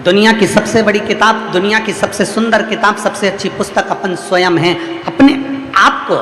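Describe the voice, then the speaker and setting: High-voiced man preaching in an echoey hall. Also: steady tone, normal speed, pushed and bright. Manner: repetitive, rhythmic preaching with rising emphasis. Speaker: religious storyteller. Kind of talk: devotional sermon. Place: large hall at a religious gathering. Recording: echoey hall with music behind.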